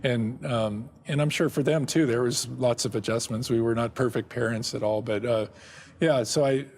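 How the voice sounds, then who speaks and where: A middle-aged man answering interview questions about his work and family, speaking haltingly with frequent restarts and soft chuckles. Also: mid-range voice, steady tone. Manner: halting, many restarts and repeated words; chuckles often. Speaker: guest, ministry director.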